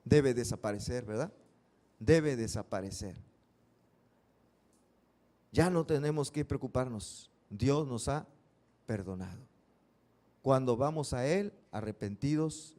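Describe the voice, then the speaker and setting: A man's voice: medium pitch, dark tone. A male pastor preaching a sermon, earnest, with rhetorical questions and vivid stories.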